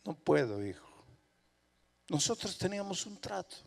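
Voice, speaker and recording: A man's voice: high-pitched, very animated, gravelly, voice pushed up, heavily acted. A man preacher voicing a stern but loving mother who firmly insists her son must face the punishment he earned. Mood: grave. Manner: firm, measured, insistent. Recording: reverberant hall.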